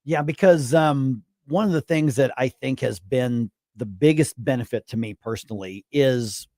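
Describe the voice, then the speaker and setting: A man's voice: mid-range voice, mellow, no room sound, clean studio sound. Chatty fifties man hosting radio talk. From United States. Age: 50s. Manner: chatty, halting, with restarts and laughs. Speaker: radio talk show host. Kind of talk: casual radio interview. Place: radio studio. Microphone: studio microphone.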